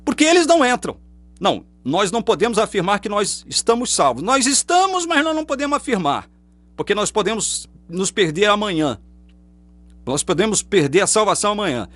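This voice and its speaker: A man's voice: high voice, very animated, brisk, a bit bright, no echo. A man with a Brazilian Portuguese accent delivering a combative religious monologue to camera, full of rhetorical questions. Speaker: online preacher. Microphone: webcam or phone facing speaker.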